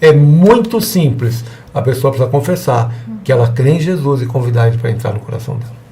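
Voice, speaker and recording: A man's voice: medium pitch, animated, fairly quick, dark tone, a little hiss or hum. A man teaching a church evangelism class in a conversational way, acting out little dialogues with the people he talks to. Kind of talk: church seminar lesson.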